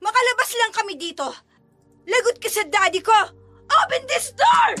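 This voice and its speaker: Brief: woman playing a spoiled, haughty high-school girl, very high and bright, lively swings, horror storybook. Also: brisk, dry recording, soft background music, exaggerated voice. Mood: demanding. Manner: haughty, mixes English commands. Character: bratty rich teenage schoolgirl, bossy.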